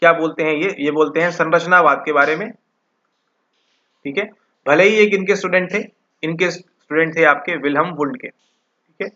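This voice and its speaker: Bright-voiced man lecturing, lo-fi audio. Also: on the high side, normal speed, long pauses. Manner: rhetorical questions answered himself, repeats "ठीक है". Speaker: psychology exam tutor. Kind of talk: online lecture. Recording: dull lo-fi audio.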